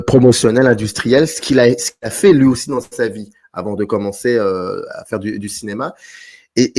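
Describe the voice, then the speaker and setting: A man's voice: mid-range voice, darkish tone. A man from France hosting a casual film discussion, thinking aloud with enthusiasm. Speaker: host.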